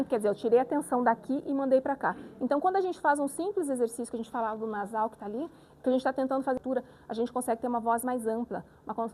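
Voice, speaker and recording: A woman speech therapist giving a live lecture with voice exercises, animated and demonstrative, often checking in with the audience. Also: on the high side.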